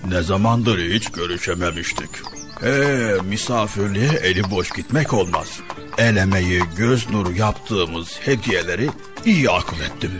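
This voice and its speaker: A man's voice: deep voice, a little slow, music in the background. A man playing a folksy, good-natured but easily exasperated village sage in a children's radio comedy sketch, muttering and repeating himself. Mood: cheerful, musing.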